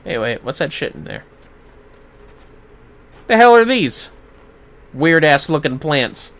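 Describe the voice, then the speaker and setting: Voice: mid-range voice, sing-song, slow pace, fairly bright tone. A game streamer giving casual livestream commentary, sweary and irreverent, often muttering to themself.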